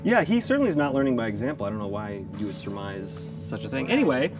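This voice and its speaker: Guy improvising narration for a roleplay podcast, kinda mock-formal and wordy, bit away from the mic, music loud. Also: medium pitch, sing-song, fast talker, distant mic. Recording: loud background music under voice.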